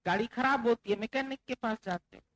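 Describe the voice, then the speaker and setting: A woman's voice: fairly high pitch, a little fast, no room sound, poor audio. A woman spiritual teacher giving a devotional sermon, talking conversationally and acting out the people she quotes. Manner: conversational, acts out quoted speech.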